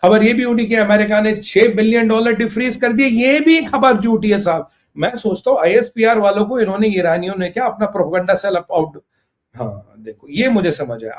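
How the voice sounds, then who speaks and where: A man's voice: high voice, a little fast. A man hosting a political commentary show, talking in a mocking, theatrical way. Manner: mocking, theatrical, acts out quotes.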